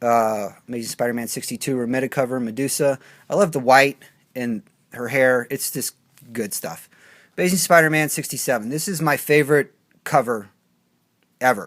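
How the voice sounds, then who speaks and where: Long, frequent pauses break up a man's speech at medium pitch. His pitch varies in an ordinary way, and the recording is very clean with a silent background. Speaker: comic book collector. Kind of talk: casual show-and-tell video. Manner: fast; hesitant fillers.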